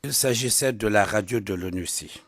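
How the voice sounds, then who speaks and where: A man with a fairly low voice gives testimony in a courtroom. He answers firmly and keeps restating what he heard. His delivery is that of a witness under questioning. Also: brisk, a bit bright, dry recording. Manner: insistent, repeats his answers. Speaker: trial witness.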